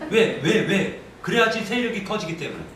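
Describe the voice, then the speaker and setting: A man's voice: high-pitched, expressive, normal speed, crowd noise. Vehement man preaching in an echoey room. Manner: vehement, denouncing, rising to anger. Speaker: church member giving testimony. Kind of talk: impassioned testimony. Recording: echoey room, voice from far off, faint noise.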